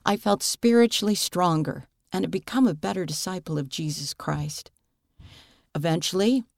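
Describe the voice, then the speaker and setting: A woman reading a magazine article aloud as scripted narration, earnest and measured. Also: on the low side, creaky, no room sound, clean studio sound.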